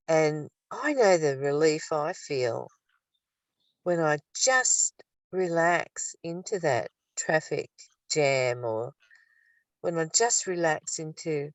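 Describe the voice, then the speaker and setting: Older female, low register, reflective study-group speaker, slightly distant mic. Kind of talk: reading aloud and reflective discussion. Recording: roomy, distant microphone.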